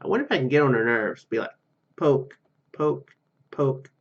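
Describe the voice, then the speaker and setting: A man's voice: medium pitch, lively intonation, normal speed, creaky. A man reading a game's narration aloud and adding casual commentary as a gaming video host, on a slightly lo-fi microphone.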